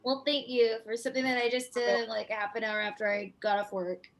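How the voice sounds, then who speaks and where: A woman's voice: a little high, flat delivery, brisk, gravelly, crowd noise. A woman chatting casually with fellow actors on a group video call. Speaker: amateur actor. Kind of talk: casual chat.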